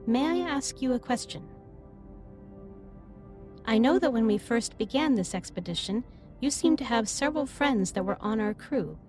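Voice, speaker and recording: A woman playing a caring alien starship captain in a sci-fi audio drama, speaking formally and in measured phrases with gentle reassurance. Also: fairly high pitch, lively intonation, close to an everyday voice. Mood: gentle, concerned. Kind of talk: scripted roleplay audio drama, intimate comforting monologue. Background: ambient music.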